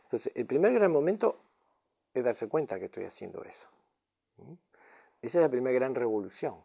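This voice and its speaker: Man, spiritual teacher, mid-range pitch, relaxed dark tone, reflective teaching talk. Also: brisk, vocal fry. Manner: tags lines with questioning "mm?" and "no?" to check understanding.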